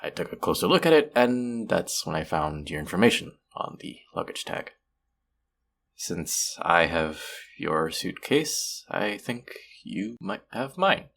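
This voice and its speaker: A man's voice: sits low, sing-song, measured pace, gravelly, full character voice. A man playing an awkward, apologetic and sweet young man who rambles nervously on the phone in an intimate audio roleplay. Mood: nervous, earnest. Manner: rambling, hesitant, self-deprecating, soft chuckles. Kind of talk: intimate one-sided audio roleplay, conversational.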